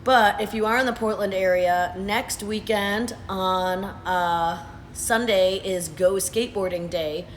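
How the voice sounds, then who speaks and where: A hoarse man in his thirties talks earnestly in a casual vlog, pausing often with "uh" and "um". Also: high voice, fairly even intonation, fairly bright tone, slight background noise. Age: 30s. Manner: earnest, unhurried, with frequent "uh" and "um". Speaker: vlogger. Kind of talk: casual talking-head update. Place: sitting at his workplace after hours.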